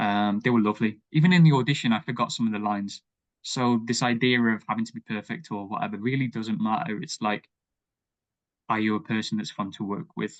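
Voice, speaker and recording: Speech in a Mancunian accent at a fairly quick pace, with ordinary pitch variation and a quiet background. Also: man, medium pitch for a man. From northern England, Manchester. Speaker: actor. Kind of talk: interview. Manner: casual, many fillers.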